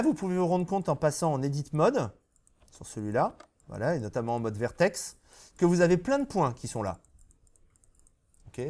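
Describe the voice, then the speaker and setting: Bilingual man teaching a software class. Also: fairly high pitch. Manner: switches between French and English, checks on the class often. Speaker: 3D software instructor. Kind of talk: live classroom software tutorial. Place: classroom with audience.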